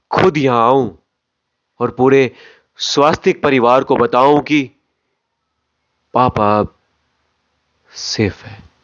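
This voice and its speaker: A man acting out a factory owner's son who solemnly and confidently addresses his employees in slow, deliberate phrases, as in a film drama. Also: medium pitch, close to an everyday voice. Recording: dull lo-fi audio.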